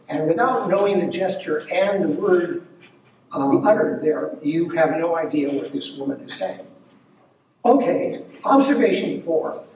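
Older man, academic lecture, higher-pitched voice, unhurried with ums, distant mic, very echoey hall. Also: a little mellow, slight background noise. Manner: unhurried, thinking aloud with many ums. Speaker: plenary speaker.

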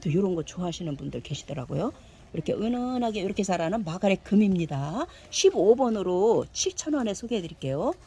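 A woman's voice: medium pitch, big pitch swings, fairly quick, warm tone, husky. Gushing woman selling succulents. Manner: gushing, exclaims over each plant; cheerful and chatty, talks to herself aloud. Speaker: succulent seller. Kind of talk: live sales pitch.

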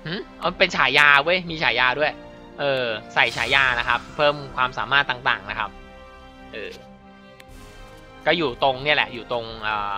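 A man's voice: medium pitch, moderate pace, sharp tone, soft background music. A man giving casual, chatty commentary while playing a mobile game, muttering to himself as he goes. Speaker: mobile game channel host.

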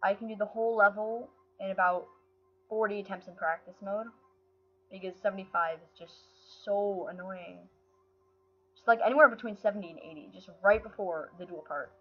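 A woman's voice: mid-range voice, steady tone, normal speed, slightly rough. Sick-sounding woman on a dull built-in mic. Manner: frustrated, self-talking while playing. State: sick, voice affected. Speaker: gaming channel host. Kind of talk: casual game commentary. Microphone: built-in mic, no headset.

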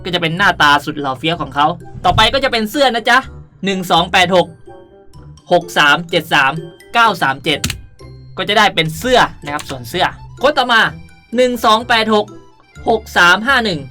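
A young man hosting a casual gameplay tutorial in a playful, animated way with cutesy polite sentence endings. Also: high-pitched, moderate pace. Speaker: gaming video host. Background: background music.

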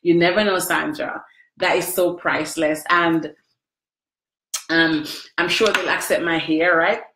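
A sniffly middle-aged woman, emotional after crying, chats with her livestream viewers by name from a small, echoey room at home. Speaking into a close-range webcam in this casual video chat, her lower voice keeps fairly even intonation, an unhurried pace, and a fairly bright tone.

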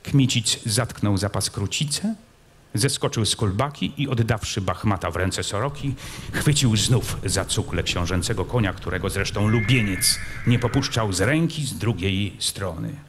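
A male actor giving an expressive live reading of classic prose at an outdoor public event, moving between slow, low passages and loud, urgent ones. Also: background noise. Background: live music accompaniment.

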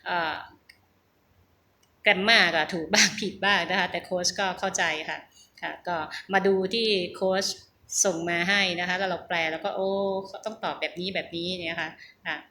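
A woman's voice: on the low side, fairly even intonation, normal speed, pushed and bright. A middle-aged Thai woman talking casually about practicing English, hesitant, repeating words and laughing at herself. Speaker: English learner sharing her practice. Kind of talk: casual vlog with pronunciation practice. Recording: echoey room with faint hum.

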